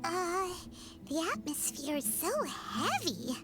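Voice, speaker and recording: A woman voicing an excitable, impatient, childlike fairy companion in a video game, squeaky and whiny. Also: takes it slowly, music in the background, exaggerated voice. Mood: uneasy.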